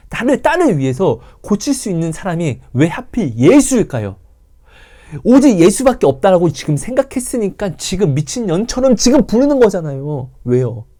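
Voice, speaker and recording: A man preaching a sermon in an emotional, dramatic way, swinging from loud calls to hushed whispers and asking the listeners rhetorical questions. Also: on the high side. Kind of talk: sermon and testimony.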